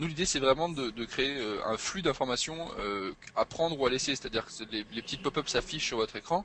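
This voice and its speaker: A man's fairly high voice, fairly quick pace and lively intonation. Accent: strong French. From France. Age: young. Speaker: tech entrepreneur. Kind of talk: interview. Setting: remote video link (duplex Paris–San Francisco). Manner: hesitant, many fillers and repetitions.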